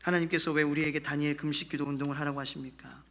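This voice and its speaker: A male pastor preaching a sermon, shifting between hushed tender passages and loud emphatic ones. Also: fairly high pitch, flat delivery, rapid-fire, creaky. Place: church sanctuary. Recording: reverberant church hall.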